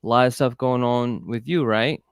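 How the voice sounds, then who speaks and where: A man's voice: medium pitch, steady tone, moderate pace, clean tone, no echo, studio quality. A middle-aged man co-hosting a casual sports chat, easygoing and a bit rambling. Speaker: recruiting reporter, co-host.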